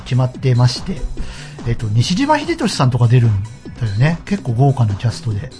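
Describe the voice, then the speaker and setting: A man's voice: mid-range voice, big pitch swings, fairly quick. A man hosting a solo show, talking casually and politely to his listeners. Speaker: host of a solo radio-style show. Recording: background music under the voice.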